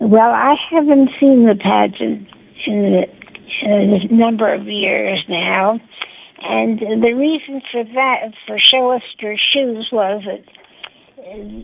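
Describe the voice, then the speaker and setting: Very slowly and with ordinary pitch variation, a woman talks at a fairly high pitch through noticeable background noise. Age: 80s+. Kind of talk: interview answer.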